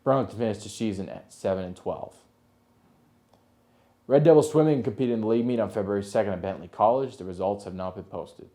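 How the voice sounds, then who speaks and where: Low-voiced male sports reporter. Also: brisk, dark tone. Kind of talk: scripted sports news report.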